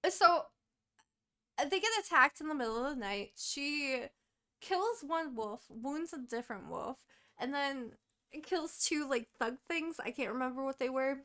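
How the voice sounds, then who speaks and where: Bright, high-voiced woman swearing freely. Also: moderate pace, clean tone. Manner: profane, animated book recap. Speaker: podcast co-host. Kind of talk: casual chat.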